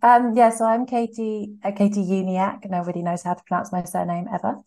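UK woman guest, mid pitch with a gravelly edge. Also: little pitch movement, fairly quick, mellow. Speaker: guest, translator and copywriter. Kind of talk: casual podcast introduction.

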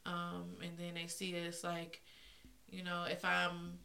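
Podcast co-host, woman, African American accent, crackly fry in a bright voice, casual discussion style. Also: on the low side, monotone, takes it slowly.

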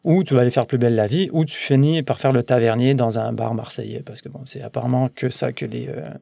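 A man in his thirties with a gravelly Québécois French voice, warm and relaxed in tone. He talks loosely, circling back with restarts and fillers. The sound is close and dry. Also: mid-range voice, fast talker, no echo. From born in France, raised in Quebec. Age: 30s. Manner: rambling, many restarts and fillers. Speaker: guest. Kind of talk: casual conversation.

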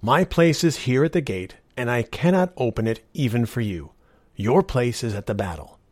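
A man's voice: medium pitch, expressive, moderate pace, darkish tone, no room sound, natural voice. A man doing a firm, dutiful knight. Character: steadfast young knight on guard duty.

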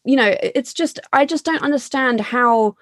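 A woman's voice: sits high, moderate pace, no echo. A young woman hosting a casual chat, asking long earnest, emotional questions that ramble. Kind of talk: casual podcast interview.

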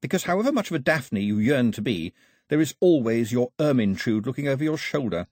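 A man's voice: mid-range voice, big pitch swings, a little fast, a little mellow, dry recording, studio quality. A man voicing a prim, proper young girl who speaks in an earnest, slightly indignant way. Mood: musing.

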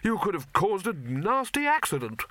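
A man plays a gruff old wizard in charge in a comic fantasy storybook. He is bossy and brusque, barking in clipped phrases. The voice rides high and forceful, with big swings in pitch. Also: wildly swooping pitch, normal speed, no room sound, full character voice. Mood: irritated, scolding. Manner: blunt, clipped, brusque, hectoring. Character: gruff, blustering, bossy old male wizard Arch-Chancellor.

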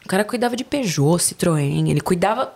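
A woman's voice: on the low side, fairly quick, vocal fry. A young woman with a São Paulo accent, chatting casually as a podcast guest and acting out the people she quotes. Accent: São Paulo Portuguese. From Brazil. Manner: animated storyteller, acts out quoted dialogue. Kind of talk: casual chat.

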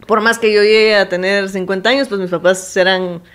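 A woman's voice: medium pitch, steady tone, a little fast. A woman, reflecting thoughtfully in a casual podcast chat. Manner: thoughtful, agreeing, warm laughs between points. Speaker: podcast co-host.

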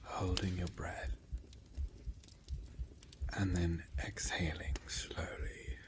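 A man's voice: sits low, little pitch movement, drawn-out words. A man whispering soothing, comforting words in an ASMR style.

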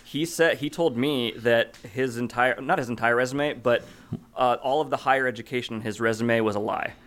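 Male podcast co-host, average pitch, easygoing and hesitant, chats his way through side stories. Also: brisk. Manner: relaxed, hesitant, lots of "like" and "uh" restarts. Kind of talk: casual podcast chat.

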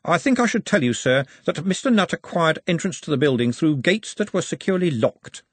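Brief: a man putting on a fussy high secretary, formal and husky. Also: big pitch swings, brisk, dry recording. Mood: disdainful. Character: prim, disdainful male secretary.

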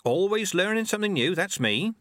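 A man's voice: sits high, very animated, brisk, a bit bright, no room sound, clean studio sound, voice pushed up. Nanny Ogg, a man doing a hearty witch. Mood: cheerful. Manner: cheerful, hearty, rustic. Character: cheerful middle-aged witch-midwife, female, worldly.

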